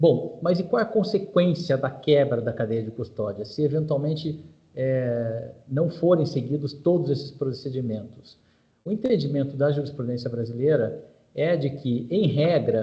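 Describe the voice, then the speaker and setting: Fairly high in pitch, a man talks in a normal speaking voice with lively intonation. His pace is fairly slow. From Brazil. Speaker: lawyer. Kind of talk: webinar presentation.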